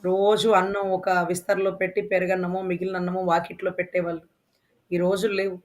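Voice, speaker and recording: Fast-talking impassioned interview guest. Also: medium pitch, level tone. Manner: emphatic, rhetorical questions.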